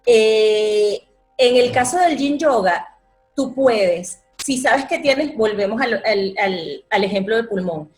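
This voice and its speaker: Woman, yoga teacher, calm explaining, slightly high voice. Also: takes it slowly, faint music behind. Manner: calm, explanatory, repeats words for emphasis. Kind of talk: interview answer.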